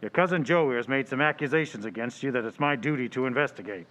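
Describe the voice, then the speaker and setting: A man's voice: mid-range voice, fast, fairly bright tone, natural voice. A man playing a no-nonsense, authoritative police detective sergeant in an old-time radio drama. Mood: stern, businesslike. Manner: curt, authoritative, slangy.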